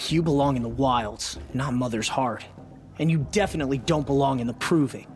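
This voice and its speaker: An actor playing an arrogant young tribal bully in a video game, taunting and pompous in manner. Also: male voice, medium pitch, brisk, lightly acted. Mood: sneering, taunting. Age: young adult. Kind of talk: video game cutscene acting.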